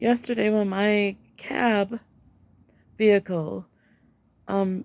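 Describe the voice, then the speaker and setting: A woman speaks quietly in a monotone, flat intonation. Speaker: spiritual reader and channel host. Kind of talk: casual vlog talk. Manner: hesitant, many ums.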